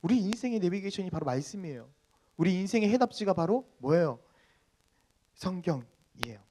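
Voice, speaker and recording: A male pastor preaching a youth sermon in an animated way, questioning the congregation and leading group Bible readings. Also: sits high, fairly quick, slight background noise.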